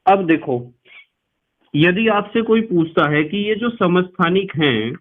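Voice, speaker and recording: A man's voice: high voice, expressive, slow, a little hiss or hum. A male chemistry teacher giving a patient lecture, repeating key points and quizzing his students. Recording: tinny lo-fi sound.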